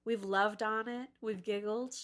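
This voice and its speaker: A woman's voice: mid-range voice, fairly even intonation, unhurried, a bit bright. A woman co-hosting a casual podcast, chatting in a playful, jokey way. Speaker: podcast co-host.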